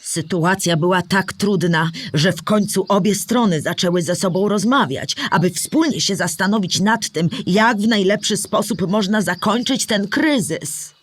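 A woman's voice: mid-range voice, normal speed, few pauses, lightly acted. Patient storyteller woman acting explaining history. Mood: explanatory, patient. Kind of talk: scripted narration for a children's audio play.

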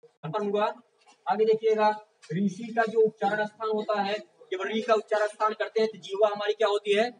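Man, high-pitched teacher giving a classroom lecture, quizzing the class as he goes, recorded from a distance. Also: little pitch movement, moderate pace, a crowd in the background. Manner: asks the class questions and answers them himself, often repeating "confirmed?". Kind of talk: classroom lecture for exam prep.

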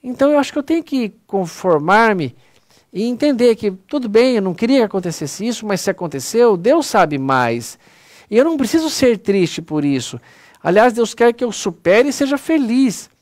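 A man's voice: high voice, very animated, moderate pace, a little mellow, no room sound, studio quality. A man with a Brazilian accent giving an earnest, conversational spiritist lecture online, often calling his audience "pessoal". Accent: Brazilian Portuguese.

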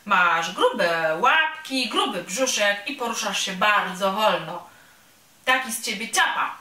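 A woman voicing a tiny, vain female insect who teases and boasts in a high, mocking voice, for a storybook reading. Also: expressive, slow pace, sharp tone. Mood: teasing. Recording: roomy sound from a distant mic.

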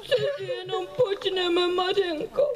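A woman's voice: very high voice, a crowd in the background. A woman voicing a timid, worried little boy in a puppet-theatre fairy tale, plaintive and hesitant. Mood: frightened. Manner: plaintive, hesitant, repeating himself.

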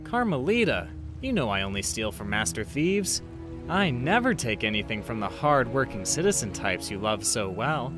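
A man acts out a suave raccoon master thief with a lively, swinging delivery. He is cocky, teasing and flirtatious, like a comic-book rogue, over music. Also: medium pitch, moderate pace, close to an everyday voice. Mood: flirty teasing. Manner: smooth, teasing, self-assured. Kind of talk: fan-dub comic narration and dialogue.

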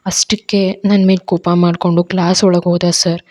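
A woman's voice: fairly low pitch, level tone, moderate pace, darkish tone, natural voice. A woman voicing a young female college student who earnestly recounts what happened. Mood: upset.

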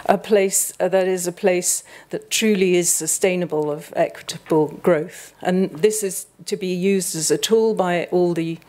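Woman speaking at a podium, low voice. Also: a little mellow. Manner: measured, academic, with frequent ums and self-corrections. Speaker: conference speaker. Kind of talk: lecture talk at a podium. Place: auditorium stage. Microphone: podium microphone.

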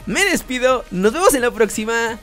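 A young man commentates his gameplay with a very high, lively voice that rises and falls constantly. He is excitable and fires off repeated words in quick bursts. Faint game music plays beneath him. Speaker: gaming YouTuber. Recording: music playing underneath.

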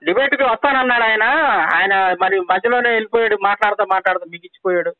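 Rapid, relentless man arguing over a phone line. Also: sits high, a crowd in the background. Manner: talks over the other side, repeats his points with rising insistence. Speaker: caller in a religious debate challenge. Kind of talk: heated phone argument.

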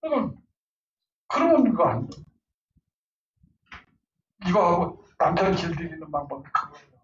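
A middle-aged man teaches parents in a lively, talkative way, laughing often and acting out scenes between family members. His voice sits high for a man and comes from far off in an echoing room. The recording sounds dull and lo-fi, with faint background noise. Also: moderate pace. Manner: animated, laughing, acts out angry outbursts. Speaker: parenting lecturer. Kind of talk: lively lecture with role-play examples.

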